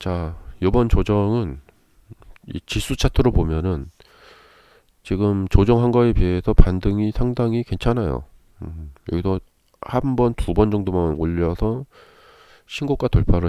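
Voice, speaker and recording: A man with a very deep, low pitch and a dark, mellow tone speaks at a fairly slow pace, leaving long, frequent pauses while his loudness swings widely. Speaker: stock market analyst. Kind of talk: market analysis commentary.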